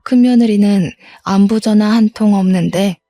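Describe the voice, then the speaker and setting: A woman in her sixties tells her own story in a mellow, warm voice. She speaks plainly and ruefully. The sound is dry and close. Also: medium pitch, moderate pace, no room sound. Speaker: narrator. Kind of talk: first-person storytelling.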